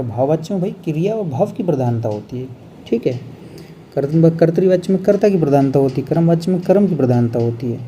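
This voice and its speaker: A man teaching an exam revision lesson on Hindi grammar, explaining step by step and slowing down to show how words are pronounced. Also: medium pitch, warm tone, slight background noise. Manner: explains step by step, often adds "bhai" and "hai na"; drawn-out, slow when showing pronunciation.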